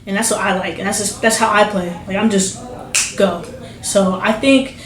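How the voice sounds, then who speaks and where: A woman's voice: medium pitch, steady tone, moderate pace, echoey room, a crowd in the background, poor audio. A young woman from New Jersey, a basketball recruit, answering interview questions in a loose, rambling way full of fillers and restarts. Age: young adult. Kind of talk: casual interview.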